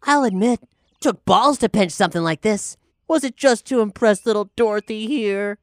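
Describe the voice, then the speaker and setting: A woman's voice: mid-range voice, normal speed, no room sound, clean studio sound, close to an everyday voice. A woman playing a menacing fourteen-year-old boy bully in a tabletop audio drama, swaggering and taunting with mock sweetness.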